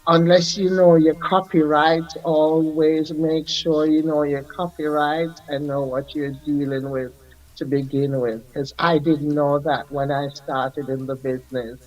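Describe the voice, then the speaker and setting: An older man, a music artist recalling his career in an unhurried, reflective way as a radio guest. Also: on the high side, little pitch movement, a little mellow, dull audio. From Jamaica. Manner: unhurried, reflective, laughs often. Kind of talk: radio interview.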